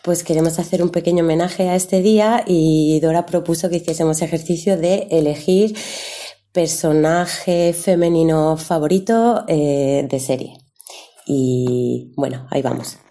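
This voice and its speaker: A woman co-hosting a casual radio chat, relaxed and adding quick comments. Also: deep voice. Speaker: radio co-host.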